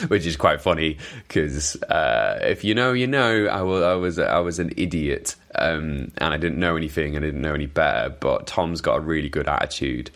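A young Welsh man with a Welsh accent hosts a podcast, answering listener questions in casual, chatty talk. His very deep voice has a slightly bright tone, and his style is self-deprecating and rambling.

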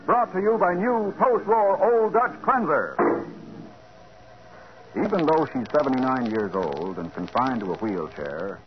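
A man's voice: medium pitch, lively intonation, measured pace. A man announcing and narrating a 1940s radio drama in a formal announcer's delivery. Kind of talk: scripted narration. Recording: muffled old radio broadcast with hiss.

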